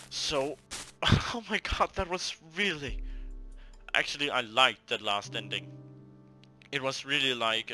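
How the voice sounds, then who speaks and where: A man giving excited, expressive let's play commentary, full of exclamations. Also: medium pitch. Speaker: let's player.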